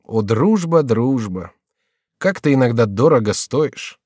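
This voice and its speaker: A man voicing a rash young nobleman with a sardonic, brisk manner, in an audiobook reading. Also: mid-range voice, expressive, a little mellow, husky, no echo, clean studio sound, voice pushed up. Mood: wry.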